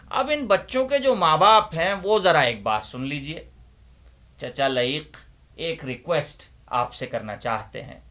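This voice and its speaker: A man playing a kindly uncle librarian, chatting in an avuncular, coaxing way to children and parents as he presents a library segment. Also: on the high side. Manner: avuncular, coaxing, gently pleading.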